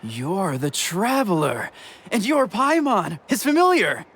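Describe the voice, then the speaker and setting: An actor playing a protective, courteous tribal chief in a video game, speaking in a measured, frank, explanatory way. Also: male voice, high-pitched, big pitch swings, fairly bright tone, a little hiss or hum, heavily acted. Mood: courteous, impressed. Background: game music.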